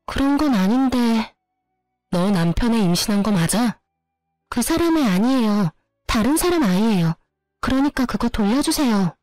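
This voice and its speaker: A woman's voice: fairly high pitch, expressive, normal speed, darkish tone, no room sound, soft background music, lightly acted. A woman voicing a timid, evasive young woman caught in an affair, speaking hesitantly. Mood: evasive pleading. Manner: hesitant, denying.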